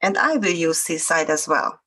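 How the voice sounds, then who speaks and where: A woman from Hungary, speaking English with a Hungarian accent, calmly demonstrating a craft technique with frequent hesitations. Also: sits low. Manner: hesitant, many fillers, explains steps slowly. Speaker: guest crafter.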